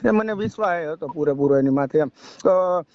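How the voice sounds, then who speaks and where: High-pitched young man on a muffled call. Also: fairly quick, a little mellow, no echo. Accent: rural Saurashtra Gujarati. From Gujarat, India. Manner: rambling, often adds a checking tag question. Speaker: caller seeking advice. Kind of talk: personal account told over a phone call. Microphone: phone call. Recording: dull lo-fi phone call recording.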